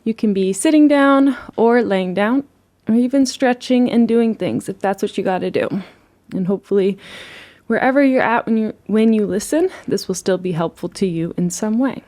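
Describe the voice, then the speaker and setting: A woman leading a guided relaxation as a meditation teacher, speaking in a soothing, gentle and unhurried way. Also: medium pitch.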